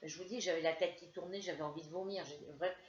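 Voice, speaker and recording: Femme souffrante, voix grave, récit décousu et hésitant, son terne et sourd. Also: female voice, fairly low pitch, steady tone, quick pace, slight background noise. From France. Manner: rambling, hesitant storytelling with many fillers. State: feeling ill, headache. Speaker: crafts vlogger. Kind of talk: casual chat to camera. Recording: roomy, dull lo-fi home recording.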